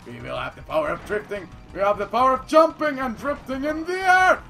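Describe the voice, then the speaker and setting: A man who is not a native English speaker, commentating his gameplay in a rambling, playful way. He repeats phrases and bursts into loud declarations. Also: very high-pitched, lively intonation, a little fast, gravelly, faint music behind. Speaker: let's play commentator.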